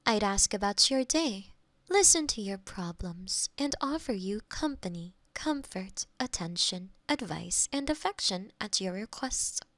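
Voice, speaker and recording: This is scripted roleplay ASMR: a woman plays a polite AI girlfriend companion, literal and eager to please, with a formal, measured, robotically helpful manner. Her mid-range voice is a bit bright with lively intonation, and the binaural close-mic recording is dry.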